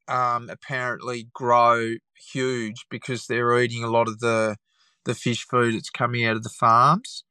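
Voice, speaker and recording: An Australian man from Tasmania, croaky from a cold, explaining things at length as a podcast guest, with frequent restarts and "um"s. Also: medium pitch, pushed and bright, no echo. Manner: rambling explanations with many restarts and fillers. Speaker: guest taxidermist. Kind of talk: casual podcast chat.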